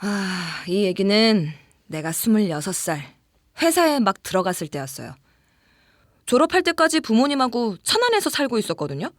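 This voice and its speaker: An actress playing a young office worker who recounts an eerie experience in a conversational way, in a horror audio drama. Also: female voice, mid-range voice, no room sound, clean studio sound, natural voice. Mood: chatty, aggrieved. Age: young adult. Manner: conversational, animated narration with drawn-out murmurs and whispers.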